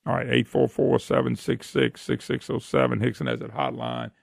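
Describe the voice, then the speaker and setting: A man's voice: medium pitch, very animated, normal speed, vocal fry, dry recording, studio quality. A man hosting a political call-in radio show, folksy and emphatic, firing off rhetorical questions. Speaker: radio talk show host. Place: radio studio.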